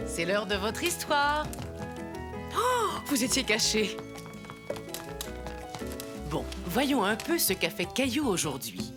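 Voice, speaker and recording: A kindly grandmotherly storyteller in a children's cartoon. Her delivery is gentle and animated, with lively swings in pitch. Music plays clearly behind her narration. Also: takes it slowly, pauses often. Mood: gentle storytelling.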